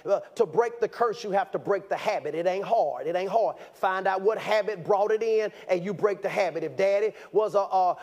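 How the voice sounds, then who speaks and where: A man's voice: high-pitched, a little fast, few pauses, a little mellow. A man preaching a sermon, fervent and insistent, repeating phrases for emphasis and speaking directly and colloquially to his listeners. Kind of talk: sermon to a congregation.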